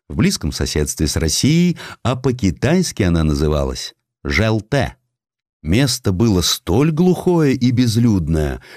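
A man narrating historical tales as a literary audiobook, with an expressive, dramatic storytelling delivery. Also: lowish voice, no echo, studio quality.

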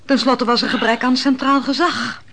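A woman playing a shrewd, mocking wine server in a radio play, speaking in a measured, didactic and theatrical way. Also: high-pitched, fairly even intonation, fairly bright tone, slight background noise. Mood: solemn, didactic. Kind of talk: Dutch radio play acting.

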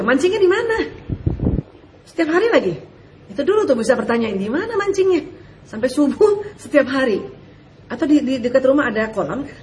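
A woman preacher giving casual advice to listeners' questions, animated, asking rhetorical questions and laughing often. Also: high-pitched, slight background noise.

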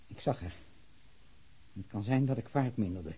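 A man acting in a radio drama as a nervous, defensive murder suspect, a repressed shopkeeper with a husky, halting delivery. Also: fairly low pitch, dark tone. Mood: guarded, tense. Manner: halting, stammering under pressure.

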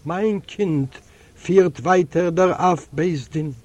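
An older man, a native Yiddish speaker, reads a literary story aloud at an unhurried pace. His voice sits high yet sounds mellow, and he tells the story dramatically, often dropping suddenly into softer passages. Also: no room sound. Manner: slow, dramatic storytelling with sudden soft drops. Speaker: reader of a literary recording. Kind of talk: literary reading.

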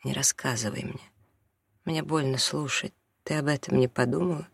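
A reader voicing a patient husband who speaks softly and low, holding back hurt. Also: normal speed, vocal fry, slightly rough, no room sound, clean studio sound. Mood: hurt quiet. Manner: soft, low, restrained, calming. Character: quiet patient middle-aged husband and father.

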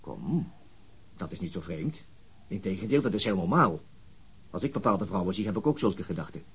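An actor playing a persistent police interrogator in a radio crime drama, probing, controlled and insinuating. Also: male voice, sits low, animated, moderate pace, a bit bright, husky, heavily acted. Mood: quiet, insinuating. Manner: insistent, probing.

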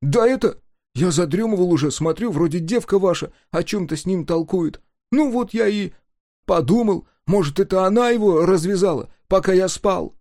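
A man's voice: high-pitched, moderate pace, darkish tone, dry recording, studio quality, pitched above the performer's own voice. A man voicing a whiny, cowardly young man in an audiobook, complaining breathlessly. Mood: whining.

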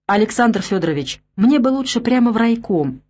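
A man's voice: very high-pitched, expressive, moderate pace, darkish tone, voice pushed up. A woman voicing a polite, tactful young male officer in an audiobook.

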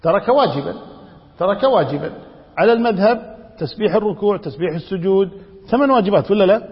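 A man's voice: high-pitched, animated, fast talker. A man teaching Islamic law in a classroom lecture, quizzing students and repeating key phrases. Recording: dull lo-fi audio in a reverberant hall.

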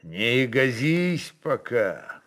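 A man's voice: mid-range voice, very animated, extremely slow, fairly bright tone, heavily acted. A man voicing a bold, mocking Cossack chieftain of about thirty in a dramatised literary reading, with an insolent, sly drawl. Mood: quiet, teasing.

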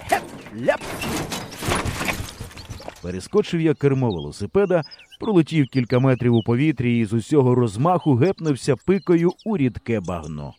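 Guy narrating an audiobook, warm darkish voice, tells it expressively. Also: mid-range voice, a little hiss or hum. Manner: lively storyteller's delivery.

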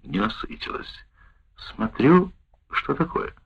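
A man reading a wartime memoir aloud in the first person, with a measured, expressive delivery. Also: a little high, creaky, husky. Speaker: narrator. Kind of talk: audiobook narration of a wartime memoir. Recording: dull lo-fi recording.

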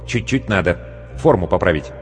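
A man's voice: sits low, expressive, normal speed. A man voicing a sly, unflappable male make-up artist who teases politely. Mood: dry. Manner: teasing, mock-polite. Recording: long reverb with faint music.

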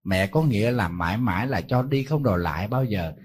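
A man's voice: lowish voice, lively intonation, a little fast, slightly rough. A man, a Buddhist monk giving a sermon, telling stories in a conversational way and throwing rhetorical questions at his listeners.

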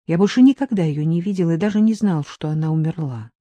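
A woman voicing a calm, firm middle-aged man who explains things in a level, measured way. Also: deep voice, no room sound.

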